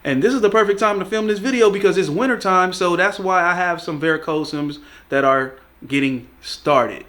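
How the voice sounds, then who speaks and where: A man's voice: sits high, normal speed, fairly bright tone. A young man with a congested voice, recovering from a cold, chatting casually to his regular viewers in a laid-back, joking way. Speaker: plant vlogger. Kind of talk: casual video chat about plant care.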